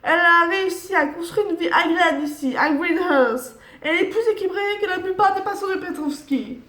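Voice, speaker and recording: A man's voice: extremely high pitch, a little fast, pushed and bright, echoey room, pitched above the performer's own voice. A woman voicing a courteous man who works at a hotel, speaking politely and formally in a narrated game. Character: courteous male hotel worker, loyal friend.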